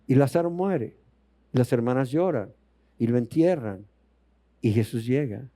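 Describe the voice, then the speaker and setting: A man's voice: mid-range voice, measured pace, warm tone, no room sound. A man preaching a sermon as pastor, emphatic and full of rhetorical questions, acting out scripture dialogue in his own voice.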